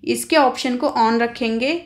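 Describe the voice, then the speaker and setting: High-voiced Indian woman giving phone tutorial. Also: steady tone, unhurried. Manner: explains step by step with frequent check-in tags. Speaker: tech tutorial host. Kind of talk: informal spoken phone tutorial.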